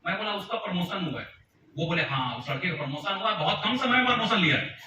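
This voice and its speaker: A motivational speaker addresses a live audience in a large meeting hall during a business meeting, telling a story and performing the dialogue in changed voices. His voice sits high and is expressive, fast, and sharp, picked up by a distant mic in an echoey, noisy room.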